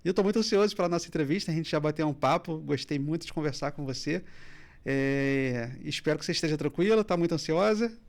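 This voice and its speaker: A man hosting a finance podcast in a studio, reading sponsor spots and opening an interview with energy. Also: fairly high pitch. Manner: fast, enthusiastic, loud welcome. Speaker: podcast host.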